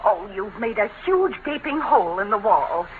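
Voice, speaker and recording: An actress playing a frail, nagging invalid wife in a 1940s radio drama, whining and pleading. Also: female voice, medium pitch, big pitch swings, normal speed, lightly acted. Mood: complaining. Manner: whining, pleading, then terrified screaming. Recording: dull old radio recording with hiss.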